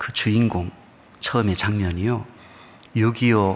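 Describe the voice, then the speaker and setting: Speaking at a fairly slow pace, a man with a Gyeongsang accent keeps his intonation fairly even. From Busan, South Korea. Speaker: pastor. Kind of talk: sermon.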